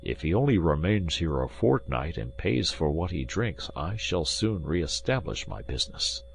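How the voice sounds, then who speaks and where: A man's voice: low-pitched, big pitch swings, normal speed, vocal fry, a little hiss or hum, full character voice. A man voicing a poor, fawning innkeeper who pleads and apologizes, read as a character in an audiobook. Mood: scheming. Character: poor fawning middle-aged male innkeeper.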